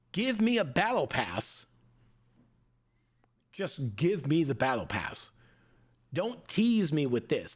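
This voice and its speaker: A man in his forties, a gaming streamer, giving a heated, emphatic opinion rant straight to his viewers. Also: on the high side. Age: 40s.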